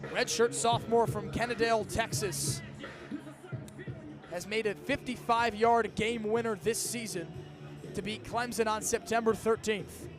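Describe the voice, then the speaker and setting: A young American man delivers live football commentary as the play-by-play announcer. His voice sits extremely high for a man and his delivery is emphatic and dramatic. A clearly audible stadium sound bed runs behind him. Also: fairly even intonation, measured pace, music in the background. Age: young adult.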